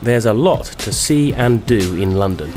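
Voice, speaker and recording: A man reading a slow, clear, scripted narration for English learners. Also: on the low side, animated. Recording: narration over loud music.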